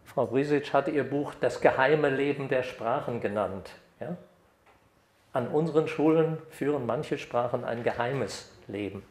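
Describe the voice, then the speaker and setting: An older man giving an academic lecture at a podium microphone, lively when reading examples aloud. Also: mid-range voice, measured pace. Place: lecture hall. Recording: echoey hall.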